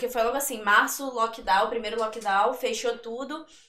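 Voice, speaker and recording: Moderately paced female speech with monotone, flat intonation. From Brazil, Niterói. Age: 20s. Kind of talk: casual interview chat. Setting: studio.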